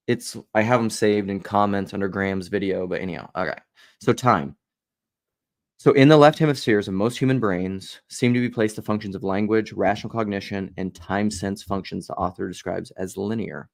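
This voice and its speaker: A man's voice: fairly low pitch, vocal fry. A man giving casual video commentary and reading aloud, rambling and jumping between ideas.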